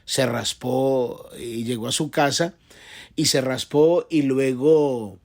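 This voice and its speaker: A man's voice: mid-range voice, takes it slowly, a little mellow. A man preaching a devotional sermon as pastor, earnest and repetitive, often restarting his sentences.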